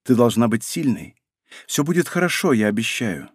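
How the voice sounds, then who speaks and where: A male audiobook narrator voicing a woman who soothes a crying girl in a soft, quiet voice. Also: mid-range voice, very animated, moderate pace, breathy edge, no echo, studio quality. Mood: soothing. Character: gentle mother comforting a crying girl.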